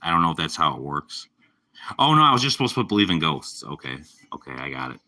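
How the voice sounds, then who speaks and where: A young man with a slightly raspy voice from a cold, chatting casually and rambling on a live stream. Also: a bass voice, very animated, quick pace, sharp tone. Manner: rambling, laid-back, lots of fillers. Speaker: livestreamer.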